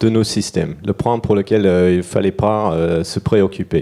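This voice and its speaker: He speaks with an English accent. This man's voice is fairly low, with a dark, mellow tone. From England. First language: English (speaking French). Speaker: startup founder pitching. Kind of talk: startup pitch.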